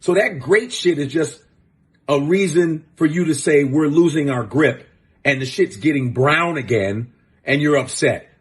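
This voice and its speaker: A man's voice: a little high, unhurried. A man hosting a show, giving blunt, profane, fired-up commentary in casual talk. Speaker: host.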